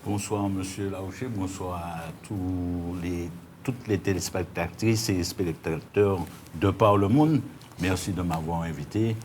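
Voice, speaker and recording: A man's voice: low voice, measured pace, darkish tone. A man with a Martinican French accent answering interview questions, hesitating and repeating words as he explains. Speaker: interview guest, union leader. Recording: clear background noise.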